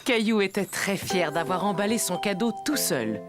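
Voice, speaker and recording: A woman narrating a children's cartoon as a gentle storyteller, reading scripted lines with expression. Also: medium pitch, lively intonation, normal speed, loud music behind the voice, lightly acted. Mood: storytelling.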